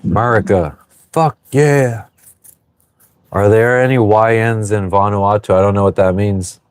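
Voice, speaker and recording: Thirtysomething guy on a boat livestream, lowish voice, cussing a lot, dry close sound. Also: measured pace, clear, resonant tone, no echo. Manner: swears freely, chatty and offhand. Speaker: livestream host. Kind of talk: casual live chat reading viewer comments. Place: on an anchored sailboat.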